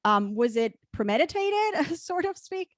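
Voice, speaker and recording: A woman's voice: sits high, big pitch swings, measured pace, no room sound, studio quality. A woman hosting a podcast, asking casual, engaged questions and feeling her way through them. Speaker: podcast host interviewer. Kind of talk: casual conversational interviewing.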